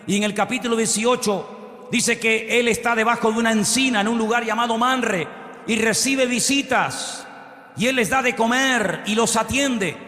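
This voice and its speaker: High bright-voiced preacher in echoey hall. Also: male voice, normal speed. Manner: emphatic preaching with call-and-response questions and dramatized quotes. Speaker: pastor. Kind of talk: sermon. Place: church hall.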